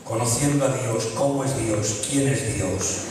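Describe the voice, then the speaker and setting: A man with a Spanish accent preaching a sermon in a large church, moving from quiet storytelling to loud, fervent calls. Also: a little slow, a crowd in the background. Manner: builds from low storytelling to loud fervent shouting. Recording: echoey hall, distant mic.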